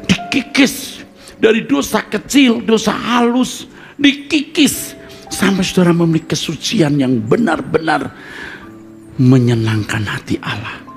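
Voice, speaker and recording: A male pastor preaching a live sermon to a congregation, swinging between hushed asides and loud emphatic bursts and joking with the listeners. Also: a little high, unhurried, soft background music. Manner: jokes with and teases the congregation. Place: church service with live congregation.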